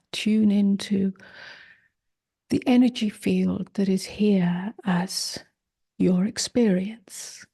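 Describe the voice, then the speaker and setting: A woman leading a guided meditation, speaking softly in short phrases with long pauses, gentle and often close to a whisper. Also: medium pitch. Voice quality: soft, breathy, husky, often near a whisper. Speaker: meditation teacher.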